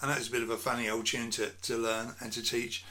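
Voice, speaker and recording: A bright, sharp tone in an English accent. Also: man. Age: 60s. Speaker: music teacher. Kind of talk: casual chat; tutorial.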